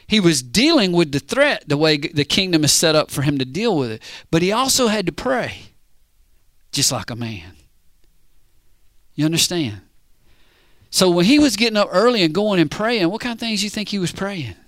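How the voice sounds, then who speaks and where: Conversational preacher man, slightly high. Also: sing-song, fairly bright tone, no echo. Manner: conversational, keeps checking in with the congregation; reads scripture slowly and deliberately. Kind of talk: sermon.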